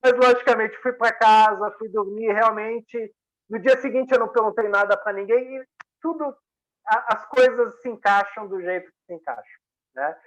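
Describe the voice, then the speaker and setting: A man's voice: high voice, normal speed, a bit bright, low-quality recording. A man, a workshop facilitator giving a reflective talk on a video call, often checking in with tag questions. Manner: frequent tag questions, conversational.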